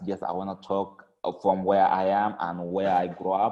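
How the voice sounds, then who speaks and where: Monotone, flat intonation from a man pitched very deep and low. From Sudan. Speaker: podcast guest. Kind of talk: panel discussion. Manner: halting.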